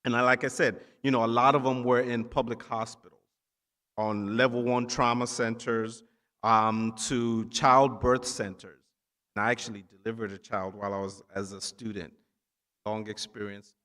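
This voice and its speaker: A man from Nigeria giving an encouraging keynote speech to students at a ceremony, with emphatic phrasing and short pauses. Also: medium pitch, level tone, fairly bright tone. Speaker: keynote speaker, physician assistant. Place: large indoor hall at a ceremony. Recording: echoey hall with long reverb.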